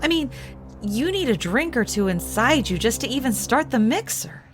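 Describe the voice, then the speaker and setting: A young actress playing a brash, wisecracking college student in a golden-age style radio drama. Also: female voice, a little high, lively intonation, moderate pace, soft background music, natural voice. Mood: sassy. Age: young adult. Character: sassy spontaneous young woman student. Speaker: undergraduate student.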